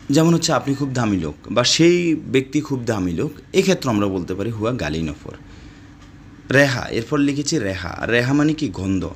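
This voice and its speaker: A man runs a casual spoken lesson, with a voice of ordinary pitch. He repeats each phrase slowly and lectures his viewers now and then. Faint noise hums behind him. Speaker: Arabic language teacher.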